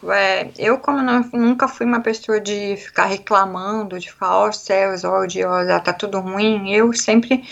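A woman's voice: mid-range voice, creaky, a bit bright, highs cut off. A young adult woman from Brazil with a Brazilian Portuguese accent, chatting animatedly in an interview and acting out little quotes as she talks. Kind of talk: casual conversational interview.

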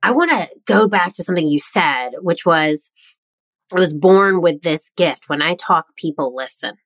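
A woman's voice: fairly low pitch, animated, moderate pace, a bit bright, no echo. Enthusiastic woman podcast host. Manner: enthusiastic, encouraging. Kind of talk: podcast interview.

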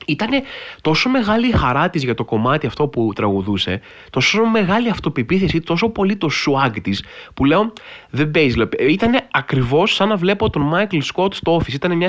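Animated man telling a story, lively pitch. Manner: animated storytelling with frequent filler phrases; wry, incredulous humor. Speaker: podcast host. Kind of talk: casual podcast monologue.

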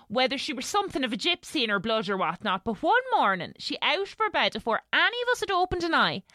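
A woman's voice: high-pitched, sharp tone, dry recording, heavily acted. A woman playing a kindly, gossipy middle-aged housekeeper with a rural English accent in an audio drama. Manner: chatty, homely, rustic.

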